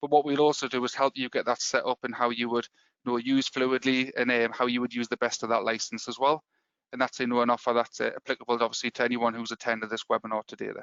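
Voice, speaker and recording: A man with a Geordie accent at a medium pitch, very fast and in a monotone, flat intonation. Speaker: software company representative. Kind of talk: webinar presentation. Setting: online webinar.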